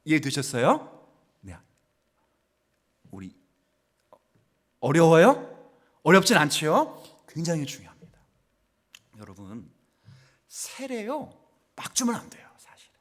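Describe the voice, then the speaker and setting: A male pastor preaches in a church with a high, very animated voice. He questions his congregation directly and moves between forceful declarations and near-whispers. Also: takes it slowly, long pauses. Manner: swings from loud exclamations to near-whispers, asks the congregation questions. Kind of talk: sermon. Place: church sanctuary.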